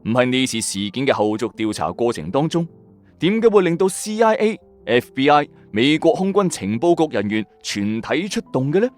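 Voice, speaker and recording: A man's voice: mid-range voice, very animated, moderate pace, faint music behind. A man with a Hong Kong Cantonese accent hosting a mystery show with dramatic scripted narration. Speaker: storyteller host of a mystery radio channel.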